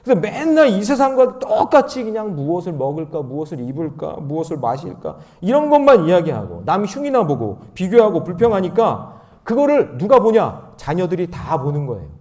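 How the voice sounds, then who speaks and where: At a dawn prayer meeting, a male pastor preaches with animation, shifting between loud emphasis and quiet asides, and leads the congregation in reading scripture aloud. His voice is high and fairly quick.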